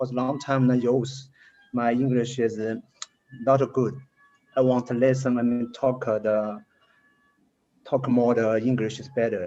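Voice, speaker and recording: A man speaks in a Mandarin accent at a fairly slow pace. His intonation is monotone and flat, broken by long, frequent pauses. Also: medium pitch for a man. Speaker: personal trainer, English student. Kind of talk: casual chat. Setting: video call. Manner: halting.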